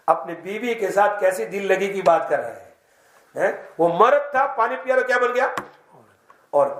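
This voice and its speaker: A man's voice: high-pitched, a bit bright. A man, an Islamic teacher, giving a mosque lesson. He tells the story in the first person and keeps quizzing the audience. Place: mosque hall. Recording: echoey mosque hall.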